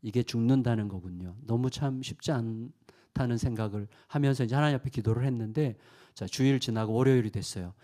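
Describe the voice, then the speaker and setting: A middle-aged male pastor delivering a revival sermon at a middle pitch. He tells a personal story, dropping to a hushed, confessional tone and then rising to loud urgency. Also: fairly quick.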